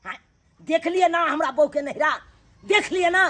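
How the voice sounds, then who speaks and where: A woman with a Maithili accent playing an indignant young husband in a village comedy skit, loud and scolding. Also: very high-pitched, normal speed. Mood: angry.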